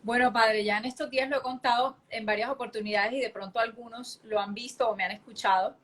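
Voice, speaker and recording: A woman in her late thirties tells her personal faith story in an interview. Her voice sits a little high, and she narrates in an earnest, vivid way. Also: steady tone, fast talker, a bit bright. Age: late 30s. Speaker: guest giving testimony.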